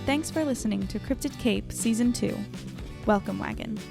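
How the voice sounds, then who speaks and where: A woman's voice: on the high side, normal speed, gravelly, over music. A woman hosting a podcast, reading scripted credits as its creator.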